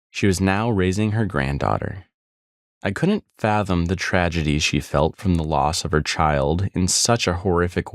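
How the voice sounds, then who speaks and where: Male author-narrator for a travel audiobook, low register, very dry sound. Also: no room sound. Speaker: author reading own audiobook. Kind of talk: scripted narration, travel memoir.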